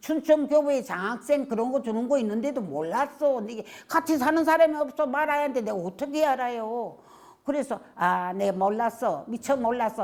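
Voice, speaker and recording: A woman with a high pitch and lively intonation, on a very clean recording with a silent background. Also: moderate pace, big swings in loudness. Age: 80s+. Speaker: scrap collector and donor. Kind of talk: interview answer. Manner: casual, heartfelt.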